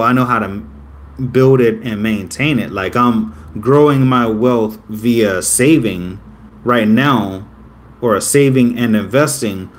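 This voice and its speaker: A man's voice: fairly low pitch, a little hiss or hum. A man in his late twenties, talking casually to camera in a rambling way that often corrects itself. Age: 20s. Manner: rambling, self-correcting, upbeat about himself. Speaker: vlogger.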